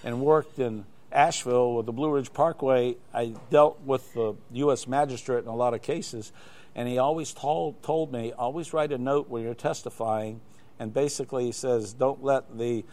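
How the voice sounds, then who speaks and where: A man's voice: mid-range voice, moderate pace, darkish tone. Rambling older male storyteller. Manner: rambling storyteller with many restarts. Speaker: interview guest, glider flight examiner. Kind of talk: live studio interview, telling anecdotes.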